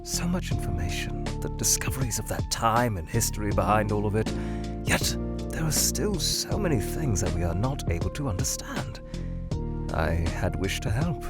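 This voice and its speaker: A man's voice: lowish voice, big pitch swings, moderate pace. A man voicing a formal, eccentric male monster scientist who murmurs in a whispery, theatrical way and breaks into panicked outbursts. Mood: reflective. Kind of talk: fan-made ask-series voice acting. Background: music.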